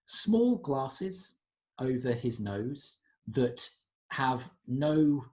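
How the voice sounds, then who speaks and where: A man running a tabletop game as game master, his narration lively and animated with wide swings in pitch. He describes scenes at length in a relaxed, storytelling way. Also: very slow.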